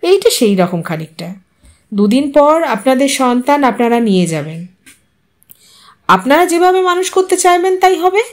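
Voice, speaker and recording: A patient, reassuring male doctor in an audio story, voiced by a woman. He explains things in a soothing, even manner. The voice sits fairly high. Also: moderate pace, long pauses. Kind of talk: audiobook reading.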